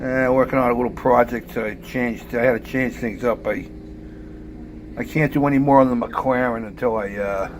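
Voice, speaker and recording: Fairly even intonation marks this man's speech, delivered in an American accent at a medium pitch and moderate pace. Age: 50s. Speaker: model-building hobbyist vlogger. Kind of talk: casual vlog monologue. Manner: halting, many fillers and restarts.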